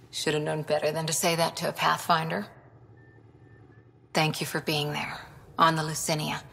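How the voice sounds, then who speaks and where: An actress playing a loyal, self-doubting human lieutenant in a video game, earnest and steady. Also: female voice, low-pitched, measured pace, vocal fry, long pauses, heavily acted.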